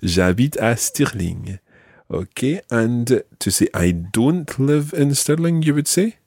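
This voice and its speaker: A man hosting a podcast language lesson, modelling phrases slowly and clearly for a learner. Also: medium pitch, animated, a little mellow, dry recording, studio quality. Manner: slow, clear teaching delivery with drawn-out model phrases. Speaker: language teacher and podcast host.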